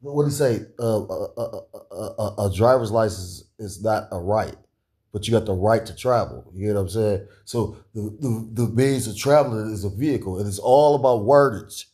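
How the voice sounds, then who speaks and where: A man in casual podcast talk, rambling with many fillers and restarts and chuckling often, with a deep voice. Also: normal speed, warm tone. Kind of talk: casual conspiratorial chat.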